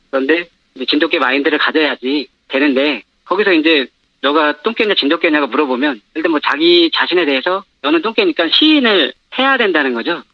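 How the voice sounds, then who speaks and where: Pitch-shifted anonymous man on a phone line. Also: no echo. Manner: hesitant, many fillers, aggrieved recounting. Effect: voice disguised with a pitch-shifting modulator. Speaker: former franchise store owner, anonymous interviewee. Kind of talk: phone-in news interview.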